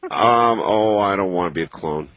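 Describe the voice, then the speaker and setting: A man's voice: low-pitched, moderate pace, dry recording. A man hosting a late-night call-in radio show, easygoing with callers and dry and firm in short replies. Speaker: radio talk show host. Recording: tinny phone-like broadcast audio.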